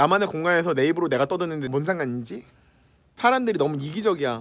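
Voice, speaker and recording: His pitch swinging very widely, a man speaks. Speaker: comedy vlogger. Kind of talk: casual vlog chat. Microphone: phone near.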